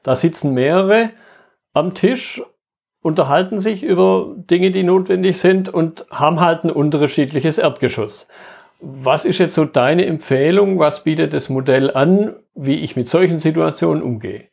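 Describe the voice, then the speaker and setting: A man's voice: a little high, normal speed, gravelly, a little mellow, slightly rough. A man hosting a podcast interview, asking reflective questions and summarizing his guest's points. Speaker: podcast host.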